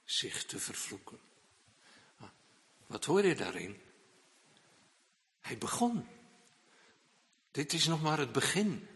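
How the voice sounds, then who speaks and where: A male preacher delivering a sermon, emphatic and swinging from quiet asides to loud declamation while repeatedly addressing the congregation. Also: on the high side, big pitch swings, slow pace, pauses often. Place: church. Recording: long reverb of a church hall.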